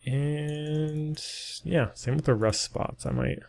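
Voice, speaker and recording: A man's voice: a little high, slow pace, vocal fry, a little mellow. A man narrating a casual 3D texturing tutorial, thinking aloud with many ums, and slightly losing his voice. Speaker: 3D modeling tutor. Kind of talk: casual screen-recorded software tutorial.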